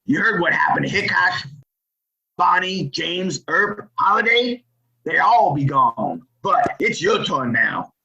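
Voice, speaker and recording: A forceful, menacing frontier colonel acted by a man with lively swings in pitch. He threatens in folksy Western talk, commanding and vengeful, on a slightly dull recording. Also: slow pace, creaky, full character voice. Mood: enraged taunting. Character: ruthless, menacing Old West outlaw colonel, commanding and vengeful. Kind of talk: Western audio drama acting.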